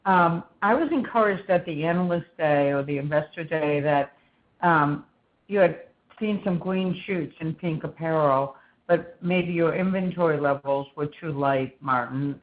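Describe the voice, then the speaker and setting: Low-pitched woman analyst on a phone line. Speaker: research analyst asking a question. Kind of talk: unscripted question on an earnings call. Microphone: phone call. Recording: thin, narrow phone line.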